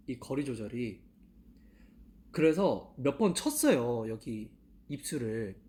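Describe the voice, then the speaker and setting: A man's voice: medium pitch, darkish tone. A young man in his twenties chatting casually to fans on a live stream, laughing often and asking himself questions aloud. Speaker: idol live-stream host. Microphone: handheld mic.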